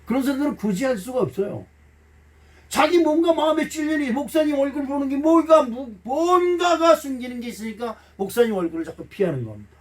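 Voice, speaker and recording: A middle-aged male pastor with a high, very animated voice preaches in a folksy, emotional way, acting out voices and tossing blunt jokes to his congregation. He is picked up from a distance in a church, so the sound is set back from the mic. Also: fairly quick. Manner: blunt, joking asides to the congregation. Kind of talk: sermon. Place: church sanctuary.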